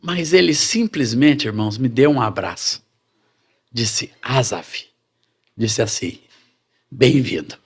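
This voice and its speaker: A man's voice: mid-range voice, measured pace, husky. Brazilian man telling his testimony. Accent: Brazilian Portuguese. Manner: animated, addressing the congregation as brothers. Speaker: preacher giving testimony. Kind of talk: sermon testimony storytelling.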